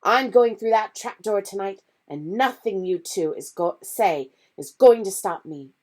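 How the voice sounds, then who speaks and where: A woman's voice: medium pitch, lively intonation, measured pace, voice pushed up. A woman reading aloud voices a determined young teenage boy who speaks with urgent, impassioned force. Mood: defiant. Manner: urgent, impassioned, rising to shouting.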